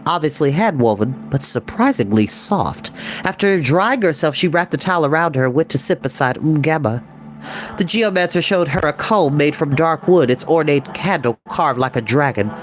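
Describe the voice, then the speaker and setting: A woman's voice: low voice, animated, normal speed, slight background noise. A woman narrating a children's story expressively, as a storytime reader. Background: music.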